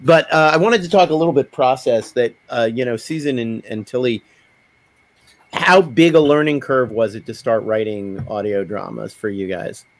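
A man's voice: medium pitch, normal speed, no room sound. Podcast host: male, mid-range voice, digressive and anecdotal, casual delivery, dry sound. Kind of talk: casual conversational chat.

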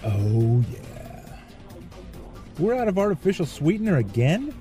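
A man's voice: on the high side, big pitch swings, measured pace, over music. A man playing a wry, self-deprecating office coworker in an audio drama.

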